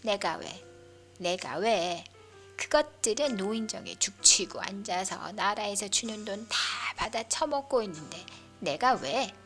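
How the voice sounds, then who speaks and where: 여자가 연기하는 목청 큰 고집쟁이 아흔 살 할머니. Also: female voice, on the high side, sing-song, normal speed, faint music behind, pitched above the performer's own voice. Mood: indignant. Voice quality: loud, strong old voice. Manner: lamenting, repetitive rhetorical questions. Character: indignant, stubborn grandmother of nearly ninety, complaining loudly.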